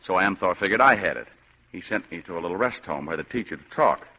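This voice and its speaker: A man's voice: low voice, animated, fast, husky, exaggerated voice. An actor playing a hard-boiled male private eye with dry wisecracks and tough slang, in 1940s radio acting. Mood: wry. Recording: dull lo-fi old radio broadcast.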